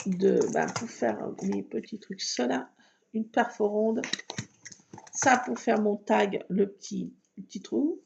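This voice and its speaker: A woman's voice: on the high side, gravelly, noisy background. A woman chatting casually to viewers while doing scrapbook crafts, talking to herself as she works. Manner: chatty, talks to herself while working, fillers like voilà. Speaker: scrapbooking vlogger.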